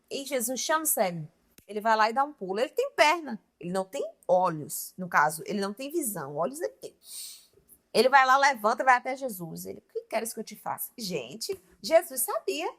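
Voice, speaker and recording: A woman's voice: fairly high pitch, a bit bright. A young woman giving an informal Christian devotional talk, speaking emphatically and straight to her listeners with affectionate asides. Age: young adult. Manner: emphatic, talks straight to the listener as "meu amor" and "gente".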